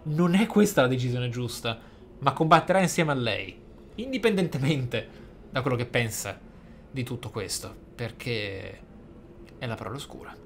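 A man's voice: mid-range voice, expressive, normal speed, creaky. A man hosting a role-play gaming video, commenting and reading in a reflective, explanatory manner. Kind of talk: role-play game commentary, some reading aloud of in-game text. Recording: faint noise and game ambience.

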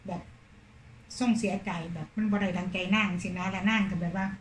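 A woman with an Isan accent, casually telling a story from her day to her viewers in a chatty, animated way. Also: mid-range voice, echoey room. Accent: Isan (Northeastern Thai). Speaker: vlogger.

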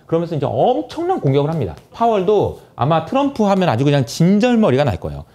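Casual: guy explaining the market like a story, warm low-toned voice, voice jumps around a lot. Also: fast talker. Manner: animated storytelling, acting out quotes. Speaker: investment lecturer.

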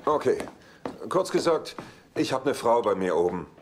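A man's voice: mid-range voice, big pitch swings, normal speed, close to an everyday voice. An actor playing a cocky, womanizing bachelor with a glib, sardonic delivery in a German-dubbed sitcom, on a noisy soundtrack. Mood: smug, sardonic.

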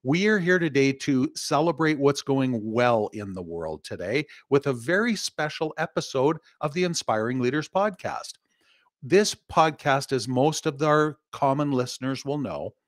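A man's voice: mid-range voice, animated, unhurried, no room sound. Older man, podcast host, chatty, upbeat, dry close-mic sound, home office video call. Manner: upbeat, chatty, laughs easily. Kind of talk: casual podcast chat. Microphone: studio mic on arm, video call.

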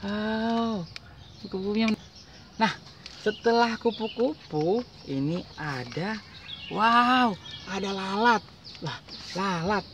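On a playground swing in a residential park, a man reads a picture book aloud to a small child, using exclamations, sound effects and simple repeated phrases. His voice sits high, slow with long pauses, and is far from the camera a short distance away, with outdoor noise around and the voice off-mic.

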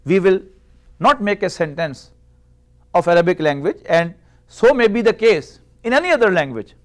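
High-voiced man lecturing on Arabic grammar. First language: Urdu. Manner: measured, explanatory, rhetorical questions. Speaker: Arabic teacher. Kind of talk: classroom lecture. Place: small classroom indoors. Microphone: lapel mic.

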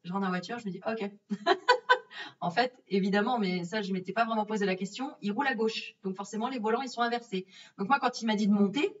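A woman's voice: medium pitch, brisk, distant mic. A French woman recounts her trip in a loose, chatty storytelling voice, full of fillers and little acted-out asides. She sits back from the microphone, and the sound is dull and lo-fi. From France. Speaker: vlogger. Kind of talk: casual storytelling.

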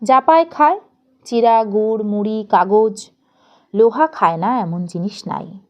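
A woman's voice: mid-range voice, measured pace, lo-fi sound, close to an everyday voice. Woman voicing a curt rural Bangladeshi village father. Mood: matter-of-fact. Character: poor idle village father, weary, gruff but fond.

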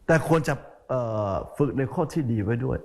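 A man's voice: mid-range voice, normal speed, vocal fry, darkish tone. A male Buddhist monk giving a folksy sermon, speaking straight to his listeners and repeating words for emphasis. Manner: speaks to listeners directly as "sir".

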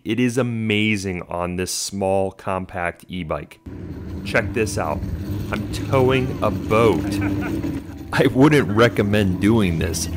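A middle-aged man with a fairly low voice reads a scripted product review in an upbeat, explanatory way. Music plays clearly underneath his voice-over. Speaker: e-bike reviewer.

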